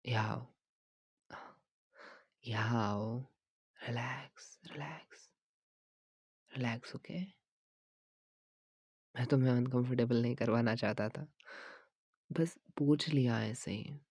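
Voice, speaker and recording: Whispered role-play: man as a teasing young gym trainer, husky and slow, soft coaxing delivery. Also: no echo. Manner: soft, coaxing, teasing with frequent low laughs; mixes Hindi and English phrases. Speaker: ASMR creator.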